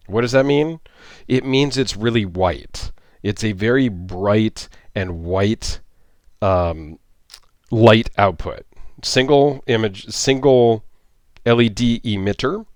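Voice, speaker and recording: A man's voice: mid-range voice, no echo, studio quality. A middle-aged man giving a casual, rambling gear review on his channel, with many ums and restarts. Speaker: YouTube reviewer.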